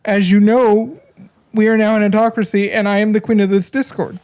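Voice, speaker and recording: A woman's voice: mid-range voice, flat delivery, fast talker, darkish tone, clean tone. Dry, mock-serious woman host. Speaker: podcast host. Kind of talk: deadpan comedic stream banter.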